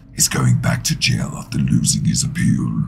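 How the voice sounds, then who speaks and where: A man uses a put-on character voice pitched very deep and low, sounding strained. Clear background noise sits behind him. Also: moderate pace. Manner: put-on strained voice.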